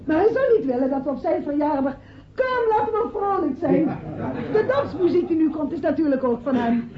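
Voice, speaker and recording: An actress playing a genteel, effusive hostess devoted to an absent composer, in a Dutch radio play. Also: female voice, high voice, animated, fairly quick. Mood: fond, effusive. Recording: muffled, roomy old radio play with crowd.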